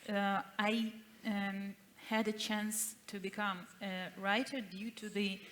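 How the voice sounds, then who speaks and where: A woman's voice: mid-range voice, little pitch movement, takes it slowly, a bit bright. Russian woman writer, non-native english, unsure and joking at herself, faint hiss and clicks. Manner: self-deprecating, hesitant, with light laughter. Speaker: invited writer speaking on a panel. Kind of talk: festival panel talk.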